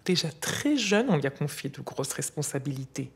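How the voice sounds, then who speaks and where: A woman's voice: low voice, big pitch swings, normal speed, slightly rough, full character voice. A woman in her sixties playing a grandmother who patiently explains wartime history to her granddaughter in scripted French dialogue. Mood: earnest. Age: 60s. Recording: faint music behind.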